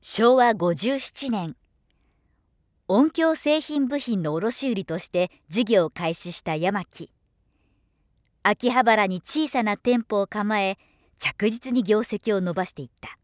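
A woman giving scripted narration as a professional voiceover artist, with a measured, polished delivery. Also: medium pitch, expressive, no echo, clean studio sound.

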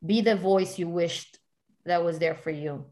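A woman's voice: lowish voice, a little slow, a little mellow, slight background noise. Earnest woman from Italy, many "you know"s. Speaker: guest. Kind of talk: casual interview talk.

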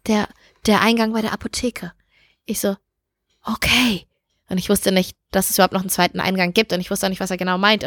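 A woman's voice: medium pitch, a bit bright, no room sound. A woman co-hosting a podcast, telling a funny anecdote in casual chat, giggly and self-mocking. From Turkish heritage. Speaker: podcast co-host.

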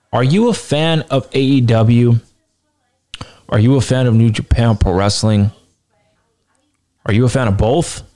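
A man with a hoarse, tired voice reads a wrestling announcement aloud, then gives his opinion with emphatic repetition. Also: mid-range voice, a little mellow. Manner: emphatic, repeats points for stress. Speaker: wrestling news commentator.

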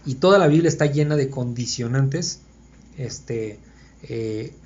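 In an unhurried, medium-pitched voice with a darkish tone, a man leads a small group in casual Bible study. He thinks out loud and keeps asking whether his listeners are following, all on a dull lo-fi recording.

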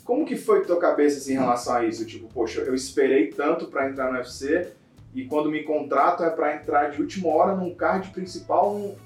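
A man, interviewing a fighter in a relaxed, chatty way. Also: a little high, brisk, recorded from a distance. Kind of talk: casual interview. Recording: roomy, off-mic with music behind.

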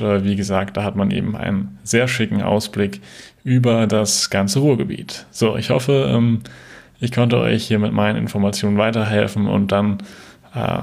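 Man, low creaky voice, flat intonation, informal voice message, from the Ruhr. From Ruhr area, Germany. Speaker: listener sending a voice message.

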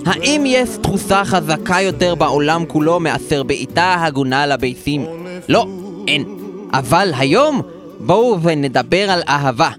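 A man's voice: on the high side, animated, music in the background, natural voice. A man playing an earnest talk show host. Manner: earnest, slow presenting. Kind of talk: sketch comedy acting.

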